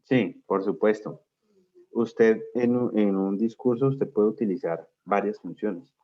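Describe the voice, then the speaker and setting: A man with a lowish voice lectures unhurriedly to a class, breaking things down step by step and posing frequent check questions. The sound is dull and lo-fi.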